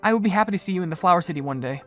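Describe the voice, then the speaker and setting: A woman acts out an earnest young perfumer from a cartoon game. She is polite, studious and humble, with a lowish voice that moves expressively over background music. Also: animated, racing, close to an everyday voice. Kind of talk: cartoon game dialogue read aloud.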